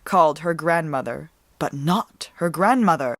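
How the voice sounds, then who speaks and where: A woman reads a story aloud in a dramatic, deliberate style. Her voice sits on the low side and swings expressively, captured very close and dry. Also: expressive, no echo. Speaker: author and storyteller. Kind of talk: dramatic scripted story narration.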